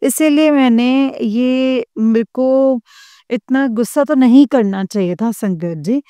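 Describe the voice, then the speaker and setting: A young woman speaks in a mellow, smooth voice that sits a little high. She is sharing a personal testimony with a congregation and earnestly keeps addressing her listeners. The recording is dry and close. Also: slow pace, no room sound. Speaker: devotee sharing experience.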